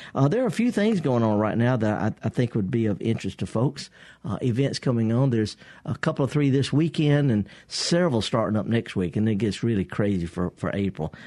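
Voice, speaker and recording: A dark, mellow tone at a fairly quick pace, with a Southern US accent. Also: man, medium pitch for a man, lively intonation, very even loudness. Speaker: radio host and horticulturist. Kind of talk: call-in radio show. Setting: radio studio. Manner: animated.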